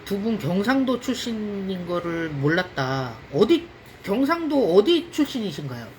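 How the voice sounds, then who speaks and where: A woman's voice: medium pitch, very animated, unhurried, a little mellow, a little hiss or hum. A woman hosting a casual livestream, cheerfully announcing an event to viewers. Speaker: livestream host.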